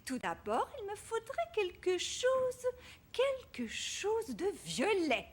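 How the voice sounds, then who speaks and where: A woman's voice: very high voice, wildly swooping pitch, slow pace, faint music behind, exaggerated voice. A woman voicing a kind, playful old grandmother in a French children's cartoon dub. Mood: playful, encouraging.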